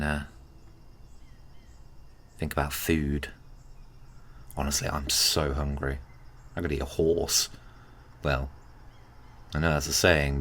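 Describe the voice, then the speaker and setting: A man playing an easygoing, gently teasing giant friend in a casual, hesitant, intimate ASMR roleplay. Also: a bass voice, heavily acted. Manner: hesitant, chuckling, unhurried casual talk.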